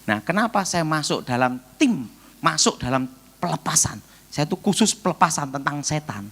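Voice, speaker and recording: Animated evangelist man preaching. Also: fairly high pitch, moderate pace. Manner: animated storytelling, acts out dialogue, shouts prayers. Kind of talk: sermon testimony.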